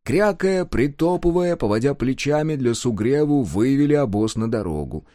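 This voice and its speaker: A man narrating a folk tale in an expressive, folksy storytelling manner, as in an audiobook. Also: medium pitch, normal speed, dry recording, clean studio sound.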